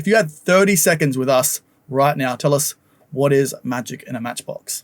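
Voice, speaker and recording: Speaking at a moderate pace, a man has an Australian accent and ordinary pitch variation. The sound is dry and close, with no echo. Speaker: magic show host. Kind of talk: casual chat. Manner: animated.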